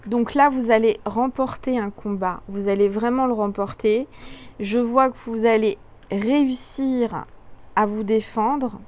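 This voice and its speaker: Woman card reader, slow and gentle. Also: a little high, steady tone. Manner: stumbles over words and corrects herself; gentle, advising tone addressing viewers directly. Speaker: tarot and oracle card reader. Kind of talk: reading card texts aloud with spontaneous commentary.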